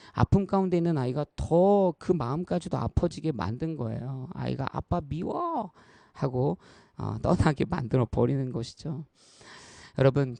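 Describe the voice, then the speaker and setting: A man's voice: a little high, creaky, dark tone, dry recording. A man in his thirties preaching a sermon as a pastor, earnest and conversational, often turning to address the congregation directly and telling personal stories. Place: church.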